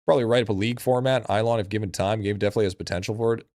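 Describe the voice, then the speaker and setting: Low-voiced frat bro guy, dry close sound. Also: steady tone, very fast, darkish tone, dry recording. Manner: frat bro, slangy and profane. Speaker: live streamer. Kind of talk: casual livestream chat.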